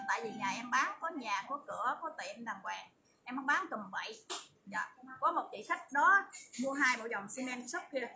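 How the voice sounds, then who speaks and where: A woman with a southern Vietnamese accent giving a chatty, repetitive livestream sales pitch as an online shop seller. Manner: chatty, repetitive, emphatic assurances. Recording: distant mic with loud background noise.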